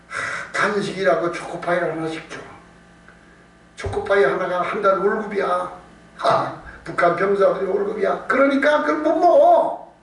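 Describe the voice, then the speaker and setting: This pastor's high voice carries noticeable vocal fry as he gives a conversational Korean sermon at an evening service. He hammers points home, repeats himself and uses rhetorical questions. The indoor church recording is echoey, distant-miked, and marked by noise and hum.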